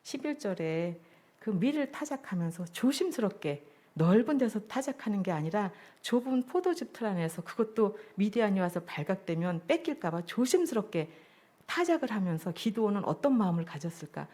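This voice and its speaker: A woman's voice: mid-range voice, expressive, normal speed, warm tone. A woman junior pastor preaching a sermon at a church service, earnest and reflective as she shares her own testimony.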